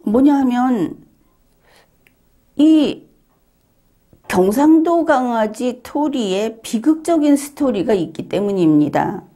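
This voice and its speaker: A woman delivers a solo commentary at an unhurried pace. Her voice is mellow and soft-edged. She explains things in measured steps and fills her pauses with small hesitations. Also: on the high side, lively intonation. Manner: retells an interview exchange step by step. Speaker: legal and political commentator.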